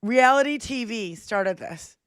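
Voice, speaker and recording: A woman co-hosting a casual livestream chat, animated and joking. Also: on the high side, a little slow, clean tone, no room sound, studio quality. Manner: animated, mocks valley-girl talk. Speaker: co-host.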